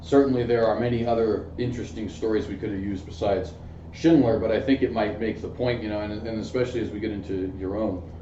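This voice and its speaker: Man, soft-spoken interviewer, measured and hesitant, dull lo-fi sound, faint hiss. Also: fairly low pitch, steady tone. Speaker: interview host. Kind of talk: interview questions. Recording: distant mic in an echoey room, dull.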